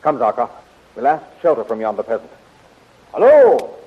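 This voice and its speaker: An actor in a 1930s radio serial playing a bold, commanding young adventurer, earnest and declamatory. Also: male voice, medium pitch, big pitch swings, normal speed, natural voice. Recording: muffled lo-fi 1930s radio recording.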